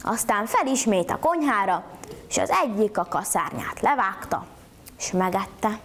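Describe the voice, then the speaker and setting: A woman reciting a folk tale at a storytelling contest, in an animated, rhythmic style. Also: medium pitch, a little hiss or hum. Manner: animated, rhythmic rhyming delivery.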